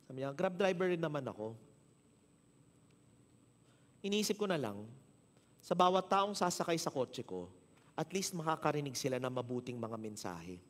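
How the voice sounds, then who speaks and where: A man with a Filipino accent preaching a sermon, telling a story and acting out the dialogue with lively shifts of voice. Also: mid-range voice, normal speed, big-room sound. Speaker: pastor. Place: church hall.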